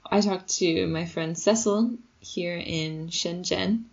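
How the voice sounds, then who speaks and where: A woman's voice: on the low side, slow pace, creaky, highs cut off. A woman co-hosting a podcast in a chatty, casual way, retelling stories and quoting people. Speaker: podcast co-host. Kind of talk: casual chat. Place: Shenzhen.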